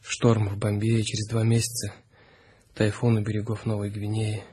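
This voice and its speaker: An earnest, loyal husband in a radio drama. He is subdued and a little hesitant, apologetic, with a very breathy, husky, rather low voice. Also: completely flat delivery, moderate pace, warm tone. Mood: thoughtful. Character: earnest husband, loyal to his troubled friend. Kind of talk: radio play acting.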